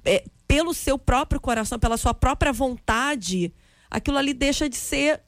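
A woman talking thoughtfully about faith, pausing on fillers as she shares a family story. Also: high-pitched, no echo. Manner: reflective, with frequent fillers. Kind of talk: conversational faith talk.

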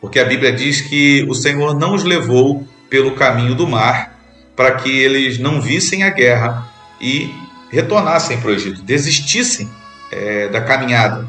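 A man from Brazil preaching a sermon as a bishop, earnest, repeating phrases for emphasis and pausing between them. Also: medium pitch, animated, sharp tone, echoey room, soft background music.

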